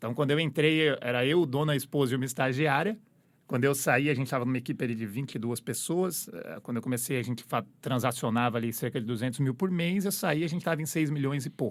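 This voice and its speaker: Very fast speech in a São Paulo accent with hardly any pauses, in a very clean recording with a silent background. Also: man, medium pitch for a man, ordinary pitch variation. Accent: São Paulo (paulista). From São Paulo state, Brazil (Guarulhos). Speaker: food company CEO, entrepreneur. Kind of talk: podcast interview. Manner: animated.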